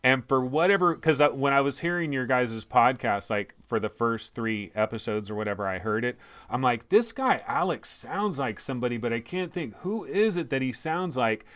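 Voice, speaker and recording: A man hosting a livestream, chatting casually in excitable bursts and swearing freely. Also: mid-range voice, normal speed, hardly any pauses. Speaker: livestream host. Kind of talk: casual chat.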